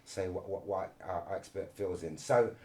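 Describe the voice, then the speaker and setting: A middle-aged man from London hosting a casual podcast, talking in an animated, restless way with many restarts and repeated words. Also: low-pitched, normal speed, slight background noise. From London, England. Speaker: podcast host.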